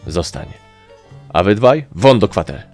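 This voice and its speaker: A man voicing a furious, blustering army colonel who shouts and mocks his men. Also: on the low side, big pitch swings, measured pace, soft background music, voice pushed up. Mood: curt. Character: furious bellowing middle-aged male army colonel.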